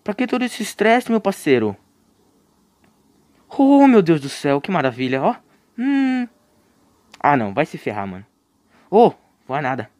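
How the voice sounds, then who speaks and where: A man's voice: a little high, wildly swooping pitch, measured pace, long pauses, darkish tone, dry recording. A young man with a Brazilian Portuguese accent streaming a horror game live, joking with his chat and breaking into panicked yelps when scared. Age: young adult. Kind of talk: live gameplay commentary.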